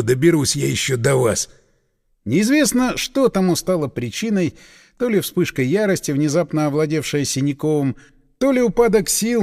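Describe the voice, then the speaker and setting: A man reading an audiobook in scripted narration, with an expressive, dramatic delivery. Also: high voice, big-room sound.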